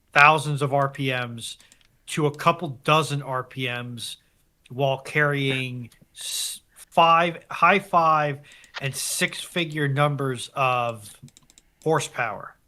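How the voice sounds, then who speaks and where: Very bright, forceful, slow-paced man. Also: a little high. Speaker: panelist. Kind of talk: casual chat.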